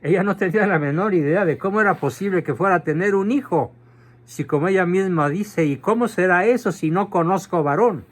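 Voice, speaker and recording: A man giving a doctrinal lecture on Catholic teaching, speaking emphatically and slowly spelling out terms. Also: a little high. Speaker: catechism lecturer.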